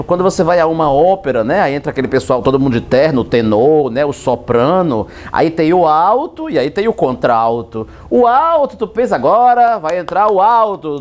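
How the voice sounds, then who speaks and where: A man giving a joking physics lesson, playfully asking and answering his own questions. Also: a little mellow. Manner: playful, talks to himself in both roles, swings pitch for effect. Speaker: physics teacher.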